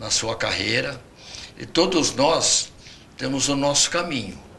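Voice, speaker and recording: A man talks at medium pitch and a fairly slow pace with ordinary pitch variation. Noticeable background noise is present. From Brazil, São Paulo state interior. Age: 70s. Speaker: retired sports club supporter. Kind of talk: interview. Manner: hesitant, many fillers.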